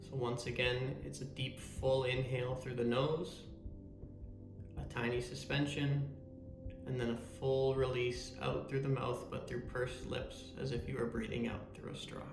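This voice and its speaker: A man guides a meditation with a soothing, measured delivery. His mid-pitched voice stays very even and carries a gravelly creak. There is a noticeable roomy echo around him as he speaks. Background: meditation music.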